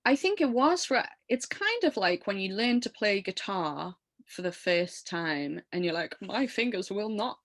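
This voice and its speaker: A woman in her thirties with an English accent and a low, smoky voice, talking casually and animatedly as an interview guest, laughing often and filling with "like". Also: sing-song, unhurried, no echo, studio quality. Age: 30s. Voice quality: low voice from years of smoking. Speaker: musician guest.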